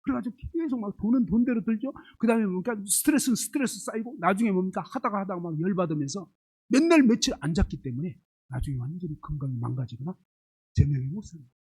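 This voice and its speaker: A man's voice: high-pitched, animated, quick pace, a little mellow, husky, low-quality recording. A man preaching a sermon, firing rhetorical questions at the congregation and illustrating his points with homely everyday examples. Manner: asks the congregation constant rhetorical questions, emphatic.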